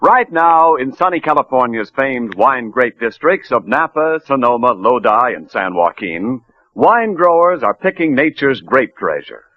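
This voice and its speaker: A man announcing a wine commercial in smooth, persuasive 1940s radio style. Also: very animated, a little slow, no room sound. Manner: smooth, persuasive pitchman delivery. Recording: dull, dry old radio broadcast.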